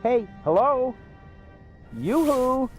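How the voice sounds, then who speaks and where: A man's voice: very high voice, expressive, very slow, faint music behind, full character voice. A man playing a cocky, scheming, whiny adventurer in a video game, theatrical and sarcastic. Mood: pestering.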